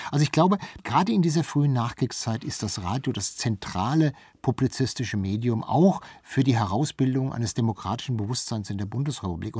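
A man's voice: mid-range voice, darkish tone, slightly rough, no room sound. A man speaking as an expert guest in a conversational interview, explaining and repeating words for emphasis.

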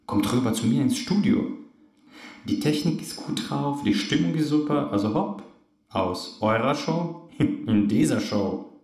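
A man's voice: mid-range voice, lively intonation, unhurried, darkish tone. A man playing a showy announcer who rallies people to a party in a public-address style. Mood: rallying. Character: showy announcer calling staff to a turbo-folk party. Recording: very echoey, reverberant announcement.

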